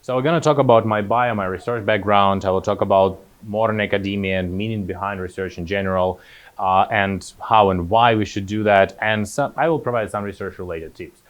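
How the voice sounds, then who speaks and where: Lowish-voiced man. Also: brisk. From Kazakhstan. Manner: hesitant, many fillers and restarts. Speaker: postdoctoral researcher presenting. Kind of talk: academic presentation talk.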